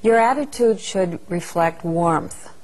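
A woman with a somewhat low voice narrates a training lesson. Her delivery is calm and measured, like a scripted instructional video. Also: low-quality recording.

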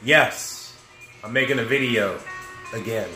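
An upbeat young male host pitching a money app with punchy, salesman energy. His voice sits at a middling pitch and is picked up on a clip-on mic, with faint music underneath. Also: measured pace. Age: young adult. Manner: energetic, salesy hype with catchphrases. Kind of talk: upbeat app review vlog.

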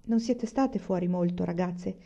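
A woman voicing a calm, gentle pioneer mother in a read-aloud story, speaking softly. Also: lowish voice, a little slow, gravelly, muffled recording. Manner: soft and soothing.

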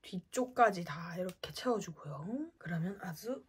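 A young woman in her twenties talking through a makeup tutorial, playful, often dropping to a whisper between bright exclamations. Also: fairly low pitch, expressive, unhurried, breathy edge. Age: 20s. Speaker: beauty vlogger.

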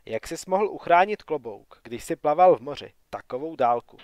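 A man's voice: fairly high pitch, animated, darkish tone, dry recording, natural voice. A man reading a suspicious castle retainer.

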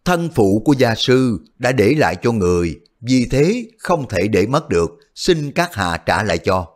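A man doing a plump, smooth-talking, sly elder disciple from an audio wuxia tale. He soothes and bargains, his voice rising and falling. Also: mid-range voice, sing-song, normal speed. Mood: placating. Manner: smooth, placating. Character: fat, outwardly gentle, cunning male elder disciple.

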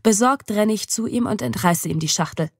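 A woman's voice: medium pitch, normal speed, no echo. Woman narrating an audiobook in first person. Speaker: audiobook reader. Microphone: close studio mic. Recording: dry studio.

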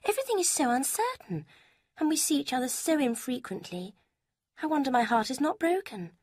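A woman voicing a sly young woman who gushes secrets in a sweet, breathy way, with a husky tone. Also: high voice, sing-song, fairly quick, a little mellow, no room sound, clean studio sound, voice pushed up. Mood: confiding.

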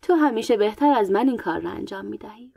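A woman reading a story aloud, voicing a proud, vain young queen in a lightly brighter tone. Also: mid-range voice, lively intonation, gravelly, dry recording, studio quality. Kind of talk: audiobook character voice.

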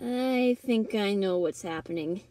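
A woman's voice: mid-range voice, measured pace, dark tone, dry recording, far from the mic, voice pushed down, close to an everyday voice. A woman voicing a devoted, anxious male animal who is about to become a father, earnest and tender. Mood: alarmed.

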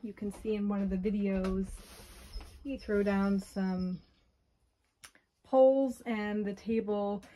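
A woman talks slowly and calmly as she walks through her small camper, naming each feature in a plain, descriptive way. Her voice sits at an ordinary middle pitch. It is picked up on a handheld phone, with a faint hiss behind it. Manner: unhurried, plainly descriptive, pointing things out. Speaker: owner giving a home tour. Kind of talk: walkthrough home tour. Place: inside a small camper trailer.

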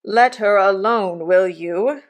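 A woman's voice: medium pitch, slow pace, close to an everyday voice. Lady doing a simple easygoing blacksmith boss, firm but keeping the peace, audiobook. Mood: calm, firm. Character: plain-spoken male master blacksmith, mild, peacemaking.

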